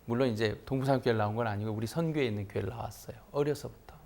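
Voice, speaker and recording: A middle-aged pastor tells a personal story during a sermon, speaking very fast in a mid-range voice with vocal fry. His preaching is lively and anecdotal, and his voice rises sharply for emphasis.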